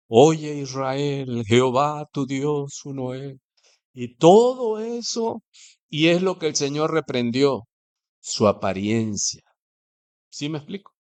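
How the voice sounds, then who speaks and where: Mexican preacher with a fairly high voice. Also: male voice. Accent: Mexican Spanish. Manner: conversational, poses rhetorical questions to the congregation. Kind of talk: sermon. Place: church.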